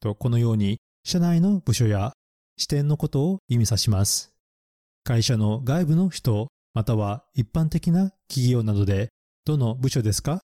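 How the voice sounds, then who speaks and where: A man narrating a bilingual lesson, explaining English words slowly and spelling them out letter by letter. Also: mid-range voice, animated, mellow, no room sound, clean studio sound.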